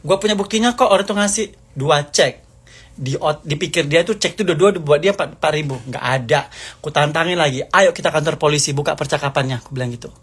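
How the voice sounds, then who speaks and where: A man's voice: a little high, fairly quick, a bit bright, breathy edge. A man delivering an angry, accusing rant to the camera, hammering the same points over and over. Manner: heated, accusing, repetitive.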